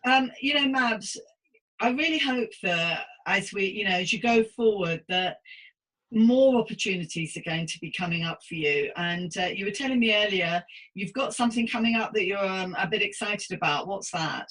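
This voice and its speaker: A woman's voice: mid-range voice, normal speed, a bit bright, poor audio. A middle-aged British woman hosting a casual interview podcast, chatting in a rambling, self-deprecating way. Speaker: podcast host.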